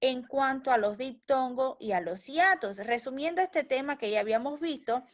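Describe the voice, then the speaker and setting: A woman's voice: sits high, expressive, normal speed, dull audio. A woman teaching a recorded language lesson for children. She explains step by step, speaks to the pupils fondly and keeps checking that they follow. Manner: patient, explains step by step, calls pupils "mis niños", checks with "¿ya?". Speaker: primary school teacher.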